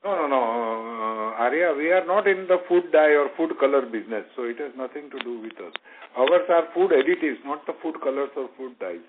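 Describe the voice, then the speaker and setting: A man's voice: medium pitch, lively intonation, fairly quick, slight background noise. A man with an Indian accent answering questions as a company executive on an earnings call, emphatic and often repeating his words. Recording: narrow tinny phone conference line.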